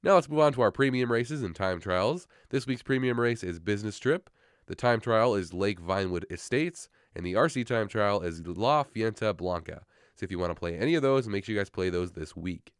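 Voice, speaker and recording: A man's voice: fairly low pitch, lively intonation, dry recording, studio quality. A man hosting a casual gaming update video while sick with a sore throat, pushing through with an upbeat rundown. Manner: fast, upbeat despite being sick. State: sick, hoarse. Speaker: gaming channel host.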